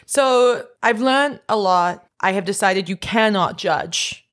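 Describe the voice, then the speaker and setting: Young woman, podcast co-host, medium pitch, wry and playful, laughs easily. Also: slow pace, a bit bright. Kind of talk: casual podcast chat.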